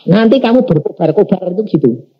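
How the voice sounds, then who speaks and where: A man's voice: sits high, animated, fairly quick. A middle-aged man, an evangelist telling his testimony in a sermon and acting out the dialogues. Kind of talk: storytelling sermon. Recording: dull lo-fi sermon recording.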